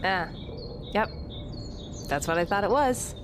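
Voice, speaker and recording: A woman playing a mild, bashful but self-assured counselor in an audio drama, speaking with halting hesitation. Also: medium pitch, animated, noisy background, lightly acted. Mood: wry, composed.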